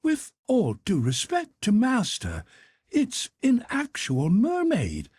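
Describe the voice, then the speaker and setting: A man's voice: high-pitched, wildly swooping pitch, takes it slowly, darkish tone, slightly rough, no echo, voice pushed up, exaggerated voice. A man voicing a polite, pedantic manservant who speaks earnestly and precisely in an audiobook. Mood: excited. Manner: precise, deferential, reciting classifications.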